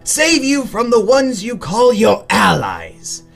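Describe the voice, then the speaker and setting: An actor playing a sadistic, gleeful clown supervillain in an audio drama, with a theatrical, mocking, drawn-out delivery. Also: male voice, high voice, huge pitch swings, creaky, fairly bright tone, full character voice. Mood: menacing taunting. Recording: music under the voice.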